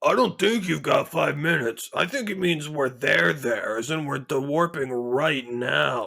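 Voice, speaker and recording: A man's put-on character voice, fairly high in pitch, at a moderate pace with hardly any pauses. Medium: audio drama. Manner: panicky.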